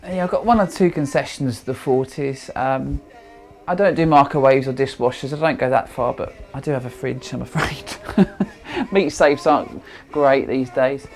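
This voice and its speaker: A man's voice: mid-range voice, normal speed, faint music behind. A man of thirty-five with a British accent, chatting informally and hesitantly in an interview, with old-fashioned turns of phrase. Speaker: interviewee, history enthusiast. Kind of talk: informal interview while showing his home.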